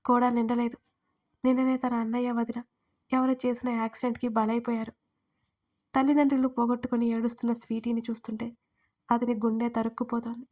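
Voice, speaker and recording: A woman storyteller reading an audio story as scripted narration, with even, unhurried delivery. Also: fairly high pitch.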